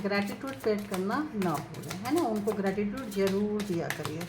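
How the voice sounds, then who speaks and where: A woman's voice: mid-range voice, a little mellow, reverberant, a little hiss or hum, low-quality recording. A woman hosting a casual tarot reading for her viewers, talking in a chatty, coaxing way and checking in with them often. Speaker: tarot reader, channel host.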